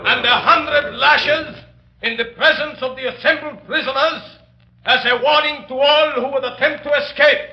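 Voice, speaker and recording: An actor playing a stern male prison official who reads out a sentence formally and slowly, in 1930s radio drama style. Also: very high voice, steady tone, highs cut off, a little hiss or hum. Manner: formal, slow, measured pronouncement. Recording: echoey old radio recording with organ music.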